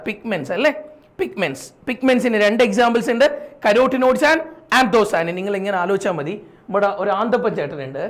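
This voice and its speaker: Guy teaching exam prep, high voice, chatty silly mnemonic stories. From Kerala, India. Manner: chatty storyteller, calls students "children" affectionately.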